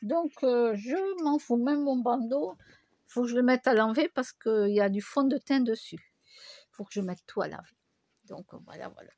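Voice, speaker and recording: A woman's voice: on the high side, normal speed, a little mellow, dry recording. A woman chatting casually to her viewers, telling a rambling story full of fillers and restarts. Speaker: vlogger. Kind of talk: casual chat to camera.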